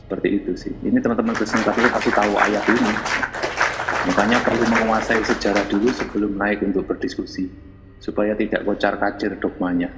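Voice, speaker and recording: A man making measured, formal arguments in an online religious debate. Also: lowish voice, level tone, big-room sound, noisy background. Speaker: debate participant.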